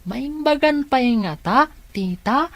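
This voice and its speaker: A woman's voice: high-pitched, expressive, unhurried, dry recording, exaggerated voice. A woman with an Ilocano accent playing a helpful, inquisitive young niece in an audio drama. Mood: curious.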